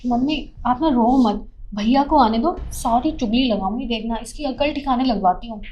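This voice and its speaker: An actress playing a spiteful, tattling young sister-in-law who taunts sharply in a family drama. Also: female voice, on the high side, normal speed, darkish tone, muffled recording, slight background noise, lightly acted. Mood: taunting. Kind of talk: Hindi family drama acting.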